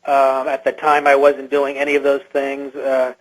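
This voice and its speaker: A man speaking through a voice-altering effect, recounting personal experiences haltingly as a guest in a radio interview. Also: mid-range voice, monotone, poor audio. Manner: hesitant, halting. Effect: electronically altered disguised voice.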